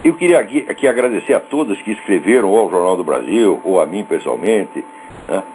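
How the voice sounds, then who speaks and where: A man's voice: fairly low pitch, lively intonation, fairly quick, darkish tone, slight background noise, poor audio. A male radio host with a Brazilian accent, ranting in a scornful, profane and sarcastic monologue. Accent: Brazilian Portuguese.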